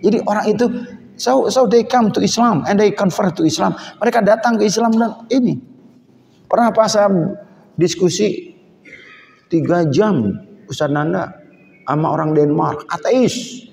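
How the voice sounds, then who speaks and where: Gravelly preacher in an echoey hall. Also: male voice, a little slow, pauses often, slight background noise. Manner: lively, switching languages, shifting between shouts and low asides. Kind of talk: Islamic sermon. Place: mosque hall.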